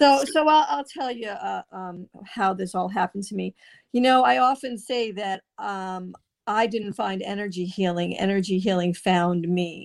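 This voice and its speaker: A woman's medium-pitched voice with a New York accent, lively intonation and a moderate pace, on a very clean recording with a silent background. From New York City (Brooklyn). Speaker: energy healer. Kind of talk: interview.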